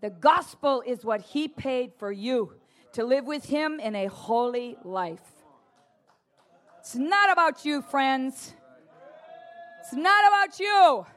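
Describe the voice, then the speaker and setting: A woman preaching a lively charismatic sermon, animated and playful, mimicking her listeners, breaking into shouts and laughter. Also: high-pitched, slow pace.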